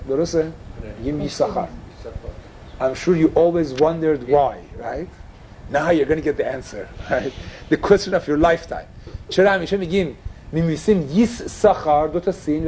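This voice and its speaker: A man's voice: fairly high pitch, a little mellow, slight background noise. A man teaching a casual religious class, asking his listeners questions and slipping English phrases into his talk.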